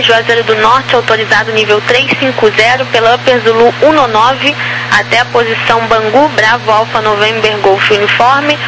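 A Brazilian woman working as an air traffic controller, giving procedural instructions over aviation radio. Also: a little high. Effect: aviation radio transmission. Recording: noisy radio channel with background hum.

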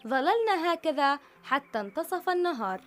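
A woman reads a children's story aloud in a high, expressive voice. Her narration is warm and lively, and faint music plays beneath it. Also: moderate pace.

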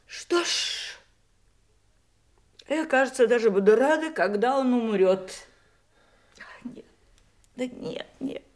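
A woman's voice: on the high side, lively intonation, slow pace, long pauses. An actress playing the bitter, rebellious, wounded daughter of a famous man in a theatrical audio drama, sarcastic and swinging between whispers and outcries. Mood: bitter, defiant. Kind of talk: Soviet audio stage drama acting.

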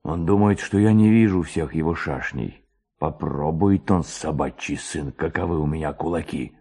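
An actor in a classic radio play, voicing a tall village man with a hoarse, low half-voice and a slow, threatening mutter. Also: mellow, heavily acted.

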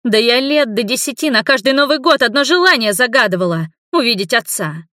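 A young daughter bursts out in high, loud, accusing cries, as a woman narrator puts her on. Her voice sits well above the reader's usual low tone and cracks with tears. The recording is dry and close. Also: very animated, takes it slowly, no room sound, full character voice. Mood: angry shouting. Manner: shouting, tearful, accusing.

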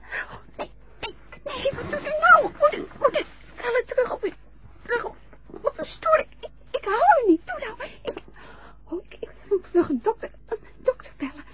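An actress playing a kind young caregiver with a breathy voice. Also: female voice, extremely high pitch, lively intonation, moderate pace, sharp tone, heavily acted. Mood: panicked. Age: young adult. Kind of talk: radio drama acting. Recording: dull lo-fi radio play recording.

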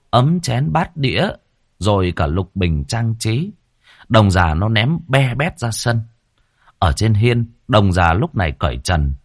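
Brief: deep husky male narrator, horror tale, animated delivery, dry. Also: no room sound. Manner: dramatic, vivid storytelling. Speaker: storyteller.

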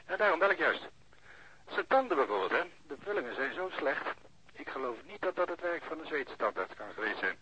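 An actor playing a chatty, eager forensic lab investigator in a radio crime drama, with hesitant interjections. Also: male voice, a little high, very animated, fairly quick, pushed and bright. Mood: eager, informative. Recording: dull lo-fi radio recording, faint noise.

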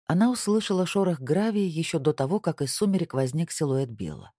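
An audiobook narrator reading a novel in an even, unhurried storytelling manner. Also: medium pitch, dry recording, clean studio sound. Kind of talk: scripted narration.

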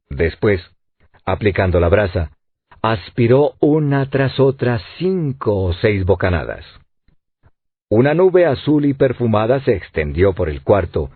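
A man narrating an audiobook in an expressive storytelling reading. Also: mid-range voice, husky, dry recording. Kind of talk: scripted narration. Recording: dry, tinny phone-like sound.

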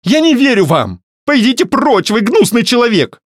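A male narrator voicing an indignant, furious young woman held captive, in shrill outraged outbursts. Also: sing-song, moderate pace, no echo, studio quality. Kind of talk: audiobook character voice.

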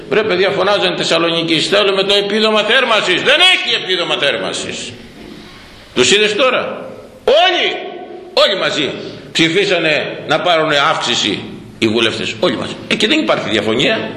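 A man's voice: high-pitched, gravelly, pushed and bright, roomy sound, in a large hall, low-quality recording. A man preaching a sermon to his flock, firing off rhetorical questions with mocking asides. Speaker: Orthodox priest preaching. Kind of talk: sermon on a Proverbs verse.

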